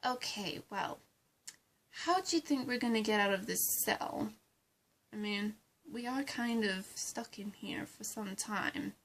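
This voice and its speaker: A woman voicing a scheming female supervillain in a fan roleplay, talking slowly and condescendingly and dropping into menacing whispers. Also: medium pitch, a bit bright, slight background noise. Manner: slow, condescending, drops into menacing whispers, calls everyone darling.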